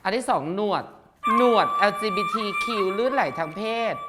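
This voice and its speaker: A woman's voice: medium pitch, expressive, moderate pace, loud music behind the voice. A woman hosting a comedic guessing-game show, brash and teasing, swearing freely and shrieking with laughter. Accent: Thai. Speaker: host.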